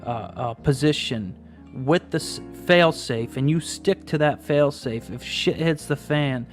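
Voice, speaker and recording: A man's voice: mid-range voice, unhurried, faint music behind. A man in his late thirties hosting a casual chat over drinks, rambling and restarting his sentences. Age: 30s. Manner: rambling, restarts and repeats words. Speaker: host.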